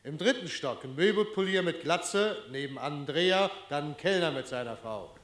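Matter-of-fact observer, higher male voice, enumerating, very roomy echo, radio drama narration. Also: expressive, moderate pace, fairly bright tone. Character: male observer listing tenement residents floor by floor. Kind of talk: descriptive radio play narration. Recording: echoey, roomy sound.

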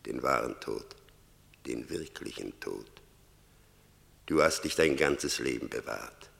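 An actor playing Death in a radio drama, a stern accusing reckoner who intones, scolds and commands. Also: male voice, a bass voice, creaky, fairly bright tone, full character voice. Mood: solemn reproach. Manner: slow intoning, scolding, commanding, repeating words. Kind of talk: mid-century German radio drama acting. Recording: long reverberant hall.

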